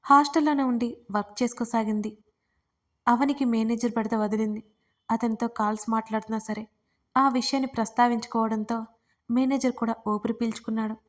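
A woman storyteller narrating a romance serial in a calm, steady audiobook reading. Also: fairly high pitch, a little fast.

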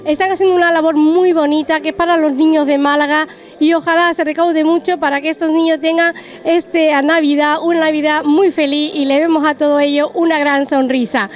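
Speaking a little fast and with a flat delivery in a high register, a middle-aged reporter conducts effusive, chatty interviews and event commentary on location. She holds a handheld mic in a bustling Christmas market hall full of crowd noise.

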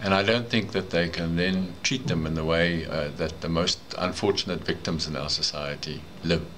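Older South African man, Afrikaans native, very low voice, measured legal answers, noisy indoor camera audio. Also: fairly even intonation, a bit bright. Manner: measured, thoughtful, deliberate. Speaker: advocate being interviewed. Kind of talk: interview answers. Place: indoor room, seated. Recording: noisy room ambience.

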